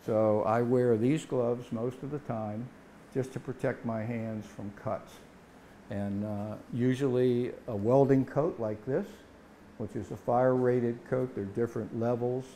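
A man's voice: medium pitch, fairly even intonation, measured pace, dark tone, slight background noise. A man in his sixties giving a plain-spoken, explanatory demonstration as a welding instructor, standing indoors in a workshop. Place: indoor workshop set, standing before a tool board.

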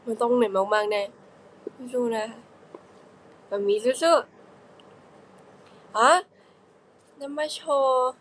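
A woman's voice: on the high side, takes it slowly, pauses often, rough recording. Young woman chatting live to fans on her phone, playful and giggly, little bit of background hiss. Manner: chatty, playful, giggly, reading fan comments. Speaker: idol livestream host. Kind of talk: casual livestream chat with fans.

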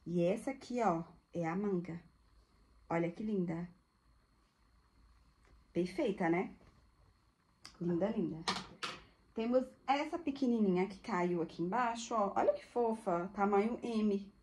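A woman's voice: mid-range voice, a little slow, pauses often, darkish tone, a little hiss or hum. Woman, chatty thrift seller, gushing casual showcase. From Brazil. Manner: chatty, gushing, addresses viewers as girls. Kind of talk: casual live product showcase.

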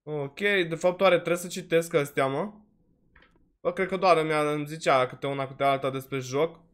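Romanian man, high-pitched, let's-play host, chatty, quick to exclaim, voice a bit worn. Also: steady tone. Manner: chatty, exclaims often, peppers talk with "frate" and "bă". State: voice slightly worn, coughing. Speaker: gaming video host. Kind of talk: casual let's-play commentary.

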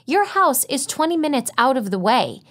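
A woman's voice: high voice, sing-song, moderate pace, a bit bright, voice pushed up, heavily acted. A woman voicing a reluctant teenage girl who groans and sounds annoyed on the phone. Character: whiny, reluctant teen girl friend.

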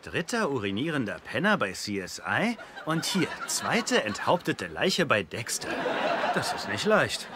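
Animated, earnest sitcom friend. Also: male voice, mid-range voice, measured pace, noisy background. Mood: encouraging. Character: earnest, exasperated male friend, well-meaning and preachy. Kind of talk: German sitcom dub.

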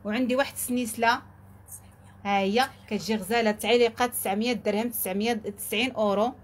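A woman with a Moroccan accent, pitching jewelry in a repetitive, enthusiastic sales patter. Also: steady tone, fast. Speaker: jewelry seller.

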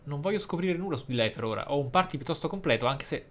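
A man's voice: fairly high pitch, lively intonation, quick pace. Reflective man narrating a game. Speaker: gaming video host. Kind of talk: role-play game commentary, some reading aloud of in-game text. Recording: faint noise and game ambience.

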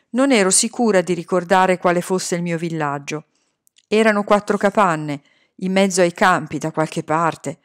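A woman reading a novel aloud in a calm, measured storytelling voice. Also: on the low side. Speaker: audiobook reader.

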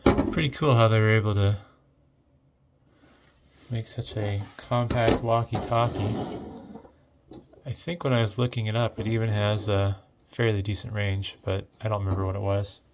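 A man giving casual, off-the-cuff narration of an electronics teardown, thinking aloud in a hesitant, low-key way. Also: little pitch movement, moderate pace, long pauses, very noisy. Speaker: host of an electronics teardown video.

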